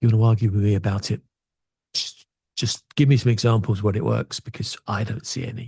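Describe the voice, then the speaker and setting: A man with a fairly low pitch and a dark, mellow, somewhat breathy tone speaks at a fairly quick pace with fairly even intonation, in a dry, close sound with no echo. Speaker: AV technology video host. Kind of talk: tutorial. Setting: small home studio.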